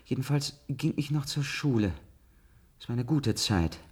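A desperate dreamer pleading. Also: male voice, medium pitch, expressive, normal speed, husky. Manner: pleading, urgent. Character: agitated young man reliving a feverish dream. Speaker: protagonist. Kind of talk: 1970s radio drama acting.

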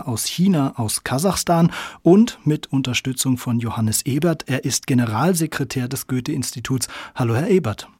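A man hosting a radio magazine program, interviewing a guest and narrating in a measured, articulate way. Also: mid-range voice, darkish tone, breathy edge, no room sound, clean studio sound. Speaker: radio host.

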